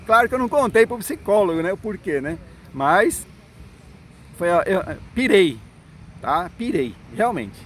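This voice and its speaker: Animated man telling a story. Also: sits high, a little slow, slight background noise. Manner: animated, acts out quoted dialogue, frequent "né?" and "certo?" tags. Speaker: former congregation elder telling his story. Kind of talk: personal storytelling monologue.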